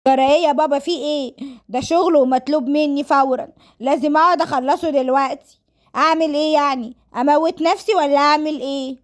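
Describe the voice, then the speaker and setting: A woman's voice: sits high, steady tone, fast, pitched above the performer's own voice, lightly acted. A woman with an Egyptian accent playing a distraught, defiant young woman in a domestic story, wailing and pleading melodramatically against an arranged marriage. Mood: exasperated.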